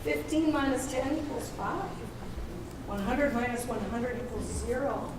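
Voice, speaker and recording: A woman's voice: high-pitched, moderate pace. A woman leading a tour of an elementary school, talking in a chatty, upbeat way. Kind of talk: casual tour talk. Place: school hallways and classrooms. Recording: echoey school rooms from a distance with noise.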